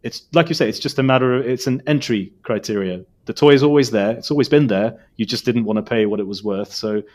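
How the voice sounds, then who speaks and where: A man's voice: medium pitch, fast, darkish tone. Reflective man in his forties. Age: 40s. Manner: reflective, thoughtful. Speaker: podcast co-host. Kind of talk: casual chat.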